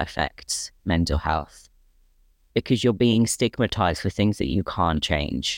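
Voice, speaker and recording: A man speaks with lively intonation. The very clean recording has a silent background and a dry, close sound with no echo. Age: 20s. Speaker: guest sharing personal story. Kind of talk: personal interview, testimony. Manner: halting, many fillers.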